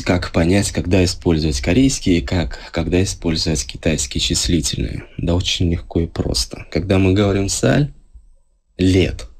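A man teaching a language lesson in a relaxed, step-by-step way, often checking with his viewers. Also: deep voice, slightly rough. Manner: relaxed, explains step by step, asks the viewers questions. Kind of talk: casual video lesson. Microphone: voice-over over filmed handwritten notes.

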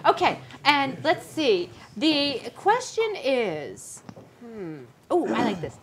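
A woman's voice: high-pitched, very animated, slow, noisy background. A woman hosting a meetup, running a trivia giveaway in a bubbly, cheerful way. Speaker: meetup host.

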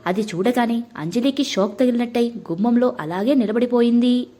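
A woman narrating a family drama in a steady, measured storybook reading. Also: a little high.

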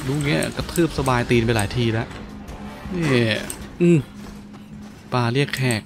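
A man's voice: medium pitch, a little slow. Playful man gaming over music. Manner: playful, crude slangy talk with exclamations. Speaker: gaming host. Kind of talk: casual gameplay commentary. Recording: game music behind the voice. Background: game music.

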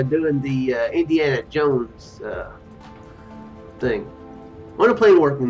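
A man in his thirties reading game text aloud as a streamer, breaking off for musing, self-correcting commentary. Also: a little high. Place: small room at home, indoors. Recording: dull lo-fi mic, music behind. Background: game music.

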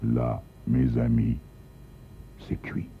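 A man's voice: very deep voice, monotone, extremely slow, vocal fry. A man narrating a crime story, dramatic and wry. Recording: tinny lo-fi recording, faint hiss.

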